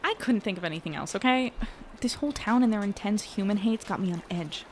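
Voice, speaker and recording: An actress plays a thoughtful, slightly uneasy woman in a podcast drama. Her voice is medium in pitch and naturalistic, with casual phrasing. Faint ambience runs behind her. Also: lively intonation, fairly quick, a little hiss or hum, natural voice. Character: uneasy, thoughtful woman investigating a secretive town. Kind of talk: audio drama dialogue.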